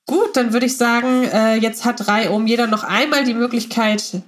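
A woman's voice: fairly high pitch, moderate pace. A woman hosting a casual group podcast, chatty and organized as she passes the word to each guest in turn. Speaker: podcast host. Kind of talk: casual moderated group chat.

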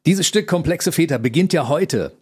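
A man interviewing an actor, asking quick, probing questions. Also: a little high, animated, slightly rough.

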